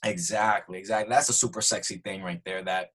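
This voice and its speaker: A man being interviewed as a podcast guest, talking earnestly and growing animated when excited. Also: low-pitched, brisk, slightly rough. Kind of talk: conversational interview.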